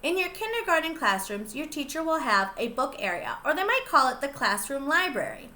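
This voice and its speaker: A woman who teaches pre-K reads a picture book aloud to young children, expressive and sing-song. Her voice is high and her pace brisk.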